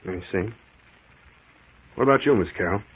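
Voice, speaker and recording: An actor playing a brisk, authoritative investigating captain in an old-time radio drama, asking clipped, probing questions. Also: male voice, low voice, a bit bright, breathy edge. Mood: questioning, cool. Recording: muffled old radio recording.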